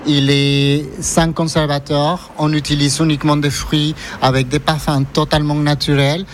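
A man's voice: on the high side, little pitch movement, moderate pace, slight background noise. A middle-aged man from Ecuador, Spanish his first language, speaking French with an accent, talking earnestly about his ice cream shop in a radio interview.

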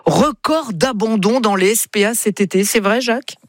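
A man hosting a radio show with lively patter, exclaiming and repeating phrases for emphasis. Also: sits high, moderate pace, no echo, clean studio sound. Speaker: radio host.

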